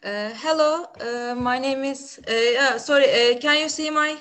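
A woman's voice: high-pitched, moderate pace, a bit bright. A young woman, giving a hesitant academic presentation over a video call with many fillers. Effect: heard over a video call. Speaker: conference presenter, master's student.

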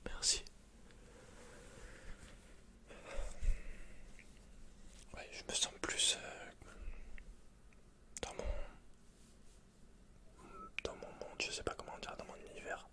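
A man's voice: unhurried, long pauses, natural voice. A young man playing a withdrawn, cynical young hacker in a hesitant, murmured ASMR roleplay. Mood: hesitant, reflective. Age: young adult. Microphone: close-up mic, seated at desk.

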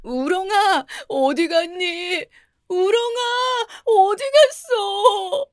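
A woman's voice: mid-range voice, sing-song, measured pace, dry recording, studio quality. A woman voicing a simple-hearted young bachelor son in a bedtime storybook reading, talking in a naive, earnest way. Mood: wailing.

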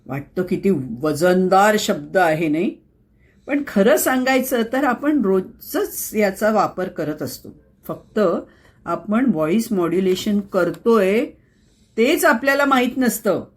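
The host's voice sits at medium pitch, with lively intonation and a slow delivery. She's presenting a conversational scripted explainer on voice skills, playing it up theatrically with emphasis and frequent rhetorical questions.

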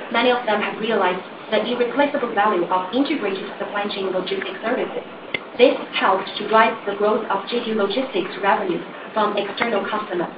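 A woman interpreter carefully reading formal corporate remarks on a conference call. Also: medium pitch. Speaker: interpreter for executive. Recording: dull, roomy, noisy distant conference line.

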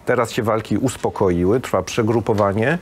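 A man's voice: on the low side, moderate pace, slight background noise. A man in his thirties with a Polish accent, hosting a news interview from a TV studio and asking conversational questions. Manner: conversational, hesitant fillers. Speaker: host.

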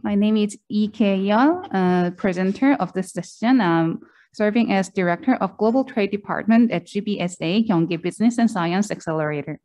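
A woman's voice: medium pitch, moderate pace, a little mellow. A woman working as a live interpreter at a business seminar, rendering a speaker's talk into English in the first person with small restarts. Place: conference seminar room.

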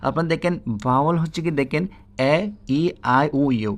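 A man's voice: fairly high pitch, brisk. Man teaching English pronunciation. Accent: Bangladeshi Bengali. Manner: repetitive, checks in with "ঠিক আছে?"; addresses viewers directly. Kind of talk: spoken English lesson.

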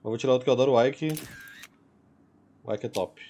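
A man's voice: medium pitch, steady tone, fast, dark tone. A young man with a Brazilian accent giving casual live commentary as he plays a game. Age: young adult. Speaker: game streamer. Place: indoor room, seated at a computer. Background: game music.

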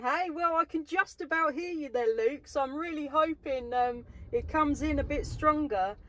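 A woman's voice: high-pitched, normal speed, sharp tone. An enthusiastic woman with a southern English accent, chatting on CB radio from inside a vehicle. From England. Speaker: mobile CB radio operator. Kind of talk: casual radio contact chat. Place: inside a parked or moving vehicle.

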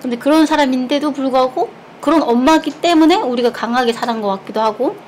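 A woman's voice: high-pitched, fast, a little mellow, a little hiss or hum, low-quality recording. A woman from Korea, chatting candidly while eating and telling stories frankly, with laughter and blunt words. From North Korea. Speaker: mukbang streamer.

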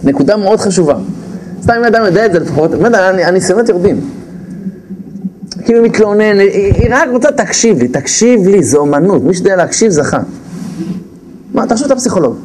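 A man's voice: high voice, background noise. A man giving a humorous lecture on marriage to a live audience, acting out spouses' lines and repeating key phrases for emphasis. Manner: animated, acts out spouses' lines in quick put-on voices. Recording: live audience audible in the background.

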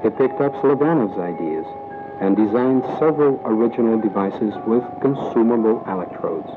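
Man, documentary narrator, mid-pitched and measured, tinny lo-fi recording over a music bed. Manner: measured, even reading of a history script. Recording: tinny lo-fi audio with music underneath.

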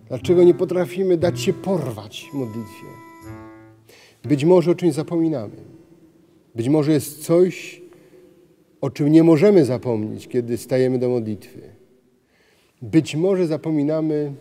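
A middle-aged priest giving a slow, measured spiritual reflection full of rhetorical questions, recorded in a dim church. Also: male voice, fairly high pitch. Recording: music bed under the voice. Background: soft music.

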